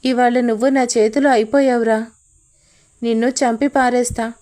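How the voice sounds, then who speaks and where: A woman voicing a furious young man who shouts rough threats in an audio story. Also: very high-pitched, little pitch movement, normal speed. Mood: enraged.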